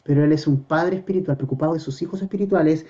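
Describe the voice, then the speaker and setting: Earnest pastor preaching, dark dull sound. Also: male voice, fairly high pitch. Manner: earnest, asks the congregation rhetorical questions; slows down to stress scripture quotes. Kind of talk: verse-by-verse sermon.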